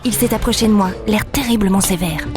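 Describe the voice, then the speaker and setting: A woman's voice: medium pitch, fast, lightly acted. A woman playing a naive, kind young woman thawed from cryosleep, narrating wryly in an audio drama. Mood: sardonic, dramatic. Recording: music under the voice.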